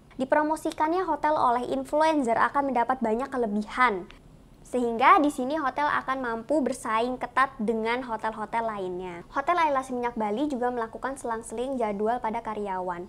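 The speech moves at a fairly quick pace with hardly any pauses. Pitch variation is ordinary. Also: woman, high pitch for a woman. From Indonesia. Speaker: university student; presenter. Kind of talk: recorded presentation. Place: home room.

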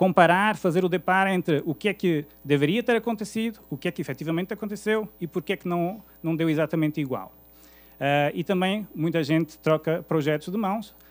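Music plays in the background as a man speaks at a fairly quick pace. His voice is high, with ordinary pitch variation. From Portugal. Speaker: wind project development manager. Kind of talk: technical presentation. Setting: stage with audience. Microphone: podium.

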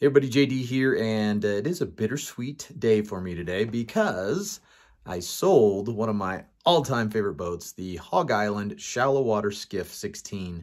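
Lively intonation marks this man's fairly low voice. He talks at a moderate pace against a quiet background. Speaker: fishing guide vlogger. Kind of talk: casual vlog chat. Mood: cheerful, a bit wistful. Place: home room. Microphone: phone near.

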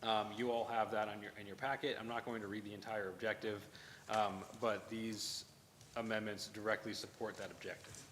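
A man mumbling at a moderate pace, in a monotone, flat intonation. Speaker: town planner. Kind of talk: reading aloud. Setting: town board meeting.

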